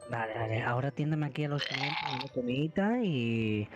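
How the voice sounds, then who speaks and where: A young man improvises in-character chat for a Minecraft roleplay. He is bossy and repeats himself, and music plays clearly behind him. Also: medium pitch, brisk, muffled recording.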